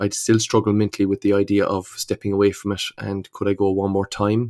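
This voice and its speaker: A Kerry accent at a very fast pace in a monotone, flat intonation, on a very clean recording with a silent background. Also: man. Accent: Irish (Kerry). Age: 40s. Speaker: bodybuilder and fitness coach. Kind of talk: solo podcast monologue. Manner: halting, many fillers.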